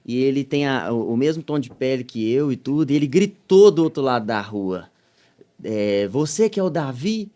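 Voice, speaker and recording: A man with a Minas Gerais accent recounts his experiences on a podcast. His voice rises and falls, loud in one moment and hushed the next, carried on a pitch of middling height. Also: moderate pace. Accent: Minas Gerais Portuguese. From Minas Gerais, Brazil. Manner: animated storytelling, swings from loud to soft. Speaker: missionary guest. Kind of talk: podcast testimony.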